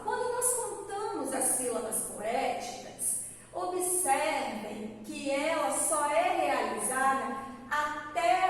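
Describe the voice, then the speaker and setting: A woman teacher giving a lesson, explaining step by step, checking in with her students, and drawing out words in a sung tone. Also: sits high. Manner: calls out words in a stretched, sung tone. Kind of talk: recorded classroom lesson. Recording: echoey hall from far off, faint background noise.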